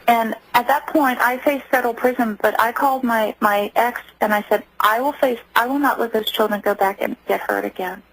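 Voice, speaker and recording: A woman giving earnest personal testimony as a radio interview guest, halting at times. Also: fairly high pitch, rough recording. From United States. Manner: earnest, halting, acts out quoted voices.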